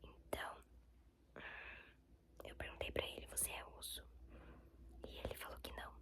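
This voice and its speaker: A woman's voice: moderate pace, a bit bright. A young woman with a Brazilian accent, whispering a rambling ASMR chat to her viewers with many fillers. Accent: Brazilian Portuguese. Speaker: ASMR creator.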